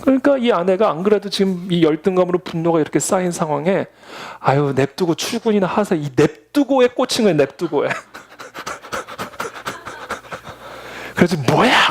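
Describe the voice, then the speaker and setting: In a high-pitched, creaky voice, a man delivers a Sunday sermon as pastor, telling stories and acting out the voices of the people in them.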